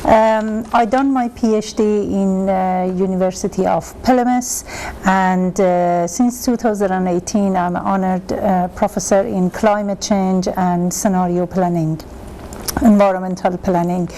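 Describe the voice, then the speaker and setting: A woman's voice: mid-range voice, fairly even intonation, mellow, poor audio. A woman with an Iranian accent politely introducing herself as a guest on a talk show. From Iran. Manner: polite, measured, light fillers. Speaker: studio guest. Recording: faint background noise.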